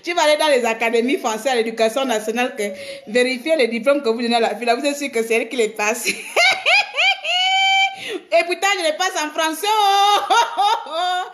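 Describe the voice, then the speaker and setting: A woman's voice: fairly high pitch, fast, a little hiss or hum. A middle-aged woman from Gabon, chatting casually on a live stream, teasing her viewers and laughing often.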